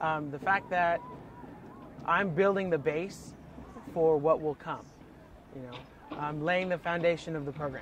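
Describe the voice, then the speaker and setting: Pausing long and often, a man speaks at a fairly slow pace and fairly high pitch with fairly even intonation, in a dry sound with no echo and light background noise. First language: Spanish. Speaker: high school football coach and English teacher. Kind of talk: interview. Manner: casual with many fillers. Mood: warm, reflective. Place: stadium.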